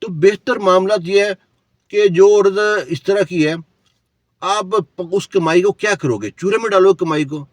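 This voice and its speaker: A man's voice: high-pitched, dry recording. Preachy man telling a moral tale. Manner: preachy, lecturing the listener with rhetorical questions. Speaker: storyteller. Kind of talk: moralizing storytelling.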